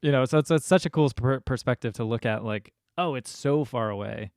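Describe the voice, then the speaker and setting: A man's voice: mid-range voice, fairly quick, dry recording. Guy podcast host, casual storyteller, lots of "like" and "you know", dead dry sound. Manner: animated storyteller, many fillers. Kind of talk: casual conversation.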